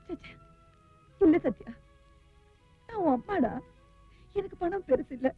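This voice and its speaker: A gentle, dignified wealthy widow. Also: female voice, high-pitched, dry recording, phone-quality sound. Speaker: rich widowed mother. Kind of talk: 1990s film drama acting.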